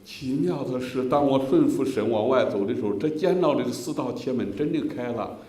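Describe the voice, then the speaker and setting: A man's voice: medium pitch, animated, moderate pace, dark tone, reverberant. A man from China preaching his testimony with passion, calling out hallelujahs and amens. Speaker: guest preacher giving testimony. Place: school assembly hall.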